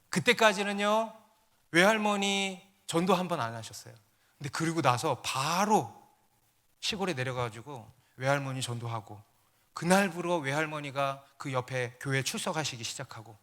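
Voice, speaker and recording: A man's voice: on the high side, fairly bright tone. A man, a pastor, preaching a sermon, telling stories and building to emphatic peaks. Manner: storytelling, rising to emphatic peaks.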